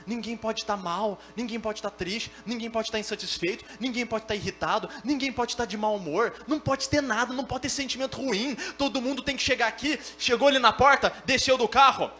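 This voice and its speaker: High, bright-voiced Brazilian pastor preaching. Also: male voice, a little fast, few pauses. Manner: emphatic, building repetition, mocking asides. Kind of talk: sermon.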